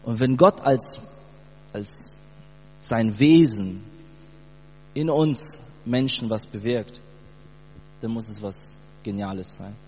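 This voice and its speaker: Young guy from brazil preaching testimony, earnest, lots of ums, reverby church hall. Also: fairly low pitch. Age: 20s. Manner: earnest, fervent, halting with many fillers. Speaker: church speaker giving testimony. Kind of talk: sermon testimony. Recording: long hall reverb, mains hum.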